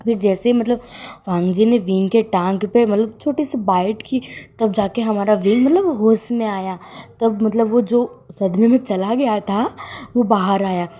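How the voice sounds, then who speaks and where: Warm-voiced woman telling a fan story. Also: mid-range voice, measured pace. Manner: chatty, filler-heavy. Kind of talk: casual fan fiction narration.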